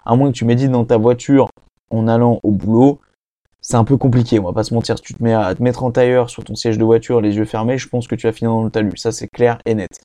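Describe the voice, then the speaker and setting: A man's voice: mid-range voice, warm tone, no room sound. A young man hosting a casual self-help monologue, talking in a rambling, slangy way with many restarts. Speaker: podcast host.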